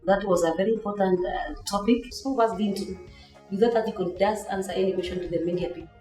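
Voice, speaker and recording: Brisk, mellow woman. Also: mid-range voice. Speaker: training participant. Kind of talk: documentary interview testimony. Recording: echoey room, faint music.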